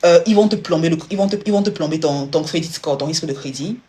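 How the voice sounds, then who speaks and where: Woman, finance coach, live-stream advice, very quick talker, frequent restarts, direct and informal. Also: low voice, warm tone. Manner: talks fast and informally, with many restarts and repeated words; addresses the listener directly and personally.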